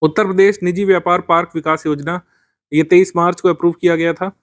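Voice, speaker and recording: A man's voice: high voice, fairly even intonation, brisk, no room sound. A man teaching current affairs for a civil services exam, explaining step by step with frequent fillers.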